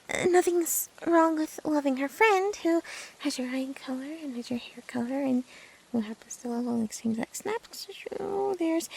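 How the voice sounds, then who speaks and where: A woman playing a nervous, lovesick and obsessive young female best friend in an ASMR roleplay, stammering haltingly as if confessing. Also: extremely high pitch, gravelly, a bit bright, exaggerated voice, rough recording. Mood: defensive, flustered.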